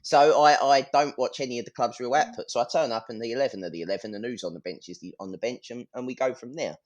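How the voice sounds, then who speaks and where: A man's voice: mid-range voice, quick pace. A man talks football in a casual, ranting way. He is blunt and swears freely, like a supporter having his say on a fan podcast.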